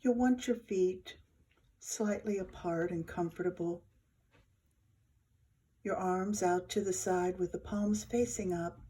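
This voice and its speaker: A woman teaching yoga nidra, giving soft, soothing guided meditation instructions in short phrases with pauses. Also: lowish voice, steady tone.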